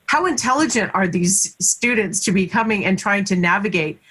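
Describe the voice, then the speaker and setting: A woman's voice: medium pitch, lively intonation, normal speed, a bit bright, husky. Woman moderating a webinar panel.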